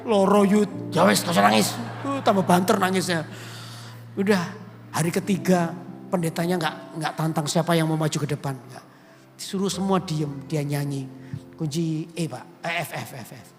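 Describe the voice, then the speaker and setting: A middle-aged male pastor, telling a personal testimony in an animated sermon. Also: a little high, normal speed. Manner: animated storytelling, drops into Javanese phrases. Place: large church auditorium. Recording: reverberant church hall with music.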